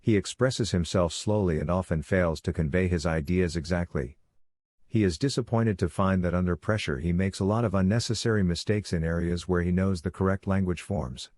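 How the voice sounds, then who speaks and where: A man reading a practice passage aloud in an even, measured way as a model for an exam. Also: sits low, no room sound.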